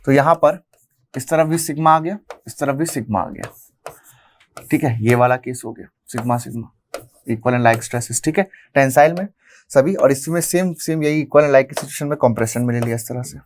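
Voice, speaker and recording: A man's voice: medium pitch, moderate pace, a little hiss or hum. A man with an Indian accent teaching an engineering class. He mixes in English technical terms, repeats key phrases and asks the class questions that he then answers himself. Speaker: engineering lecturer. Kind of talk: classroom lecture explaining at a whiteboard.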